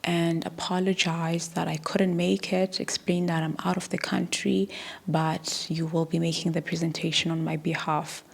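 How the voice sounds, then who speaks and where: A woman quoting her male boss asking her to step in, in her own soft voice. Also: lowish voice, flat delivery, normal speed, gravelly, slightly rough. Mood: polite.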